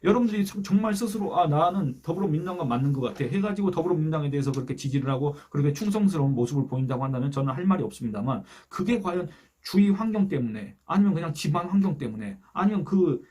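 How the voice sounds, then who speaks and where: Guy doing a political rant on his channel, talks fast, kinda husky, keeps asking why. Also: fairly high pitch, animated, dark tone. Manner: earnest, rhetorical questions, reads out comments. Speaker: political commentary YouTuber. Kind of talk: solo political commentary.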